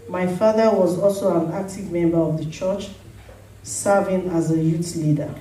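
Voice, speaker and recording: Speaking at a medium pitch, a woman goes at a very slow pace. Room echo can be heard. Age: 40s. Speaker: church member giving testimony. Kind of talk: testimony. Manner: reading from prepared script.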